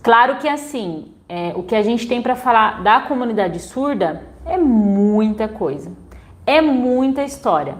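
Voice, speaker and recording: Young Brazilian woman teacher, slightly high, chatty class delivery. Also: expressive, a little slow. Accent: Brazilian Portuguese. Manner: chatty, frequent "né?" tags. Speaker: sign language teacher. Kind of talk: online class talk.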